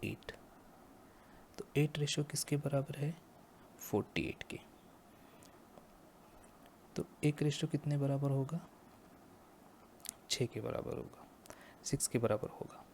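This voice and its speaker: A male teacher slowly explaining a maths lesson step by step, often stopping to ask the class if it is clear. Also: mid-range voice, darkish tone, a little hiss or hum. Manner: slow, explains step by step and checks understanding. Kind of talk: math lecture.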